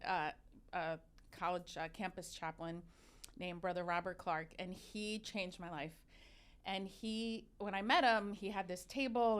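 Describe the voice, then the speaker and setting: Woman, fifties, native Arabic speaker, smooth voice, candid, animated storytelling. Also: mid-range voice. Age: 50s. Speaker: guest, religious educator and consultant. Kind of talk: casual interview talk.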